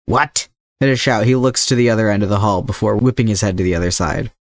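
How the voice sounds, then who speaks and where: A man's voice: fairly low pitch, quick pace, no echo, clean studio sound. A man reading scripted fiction aloud as the narrator of an adventure story. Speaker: fan fiction podfic narrator.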